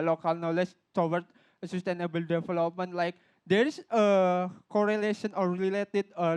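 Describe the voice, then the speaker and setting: Halting Indonesian-accented man giving a talk. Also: sits high, darkish tone, clean tone, no echo. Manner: halting, many fillers and restarts. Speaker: speaker at a youth talk event. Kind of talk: public talk. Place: event stage.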